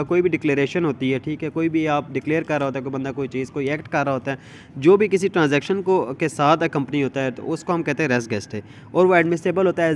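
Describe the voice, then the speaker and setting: A man with a Pakistani accent teaches in a slightly high voice. He explains step by step like a lecturer, repeating himself and checking in often. There is faint ambient noise behind him. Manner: repetitive, explains with everyday examples and frequent check-ins. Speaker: law lecturer. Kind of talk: explanatory lecture, reading out English text and explaining it informally.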